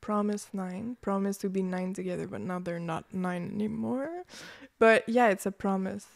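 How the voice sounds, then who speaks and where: A young woman co-hosting a podcast in casual chat, blunt with quick reactions. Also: mid-range voice, creaky. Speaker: podcast co-host.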